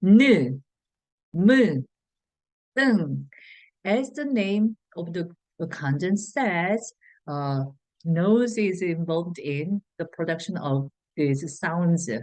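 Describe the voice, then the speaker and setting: A woman with a Korean accent, a native Korean speaker, teaching a language lesson slowly, pausing on fillers and restarting her sentences. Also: lowish voice, expressive, a little mellow, no echo, rough recording. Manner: hesitant, many "uh" fillers and restarts. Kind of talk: slow explanatory lesson for learners.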